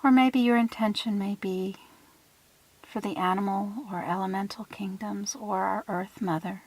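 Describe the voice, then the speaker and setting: A woman leading a guided visualization in a soothing, hushed manner, with deliberate phrasing and breathy trailing ends. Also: medium pitch, steady tone, poor audio. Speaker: guided meditation leader.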